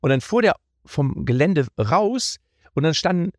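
A middle-aged man telling lively anecdotes in a casual podcast chat, often slipping into mock Italian voices. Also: on the high side, a little slow, no echo, studio quality. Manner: animated storyteller, slips into mock Italian voices. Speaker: comedian guest.

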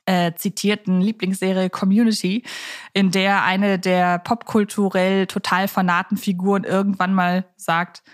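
A woman's voice: mid-range voice, flat delivery, normal speed. Woman podcast co-host, wordy and conversational. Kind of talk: casual conversational podcast talk.

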